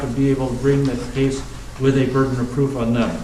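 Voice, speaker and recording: A man speaks at a medium pitch in a flat monotone, with audible room echo and noticeable background noise. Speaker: township resident. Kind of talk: public meeting comment.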